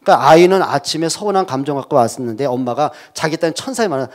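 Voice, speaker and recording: A male pastor preaching a sermon, telling stories in an animated way with joking asides. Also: fairly high pitch, fast talker.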